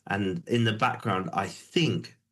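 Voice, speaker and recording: A man's voice: fairly low pitch, slow pace, fairly bright tone. A man co-hosting a music livestream, chatting casually with lots of hesitations. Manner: rambling, easygoing, many hesitations. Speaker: co-host of a music review livestream. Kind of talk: casual chat.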